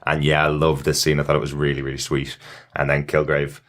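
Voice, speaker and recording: A man with a very deep, low voice hosts a casual podcast review chat. He leads the discussion and passes points to his co-hosts. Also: monotone, a little fast, fairly bright tone. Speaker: podcast host.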